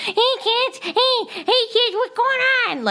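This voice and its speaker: A put-on character voice, extremely high-pitched and squeaky, at a very slow pace. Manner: cheerfully eerie.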